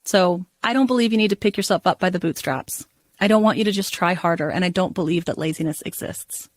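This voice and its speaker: A woman's voice: fairly low pitch, fairly quick, dry recording. Woman therapist voicing a podcast promo; plain, reassuring read, dry booth sound.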